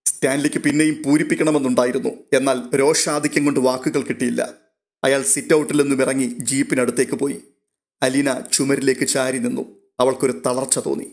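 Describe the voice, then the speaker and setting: A man narrating a serial story in a measured, literary reading style. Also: medium pitch, gravelly, a little mellow.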